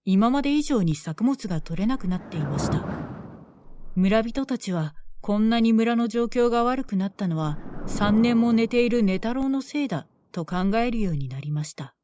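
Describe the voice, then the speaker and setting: A woman narrating a bedtime folk tale with a gentle, measured delivery. Her voice sits a little on the high side and she keeps the telling calm and steady. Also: background noise. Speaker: storyteller.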